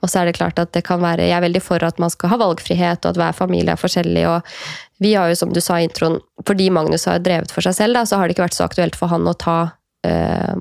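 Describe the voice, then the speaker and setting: A woman in her thirties with a low voice, chatting in a relaxed, reflective way. Her voice has a gravelly edge. The recording is dry and close. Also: no room sound. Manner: reflective, many fillers and quoted inner thoughts. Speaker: guest. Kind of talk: casual conversation.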